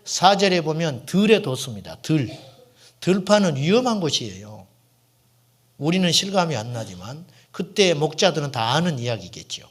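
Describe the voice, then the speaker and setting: A middle-aged male pastor preaching a sermon to his congregation, asking questions and answering them himself, and sometimes dropping to a hushed whisper for emphasis. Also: a little high, big pitch swings, normal speed, breathy edge. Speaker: senior pastor.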